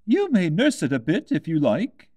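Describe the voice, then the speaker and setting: A man voicing a rude, haughty noblewoman who speaks slowly and curtly, in a storybook reading. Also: sits high, wildly swooping pitch, darkish tone, voice pushed up, heavily acted. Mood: brusque. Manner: slow, emphatic, curt.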